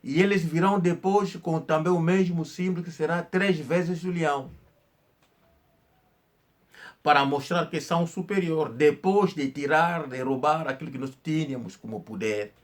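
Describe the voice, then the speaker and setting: Um homem que conta história num tom informal, falando de forma enfática, com repetições e hesitações. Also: male voice, fairly high pitch. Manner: slow, emphatic storytelling with hesitations and repetitions. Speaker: channel host. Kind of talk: informal history talk.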